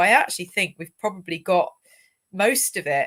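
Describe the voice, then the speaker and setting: A woman with a British accent speaks at a fairly quick pace, her medium-pitched voice carrying lively intonation. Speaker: pet owner and animal physiotherapy channel host. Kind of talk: live stream conversation reading viewer comments. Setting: live video stream.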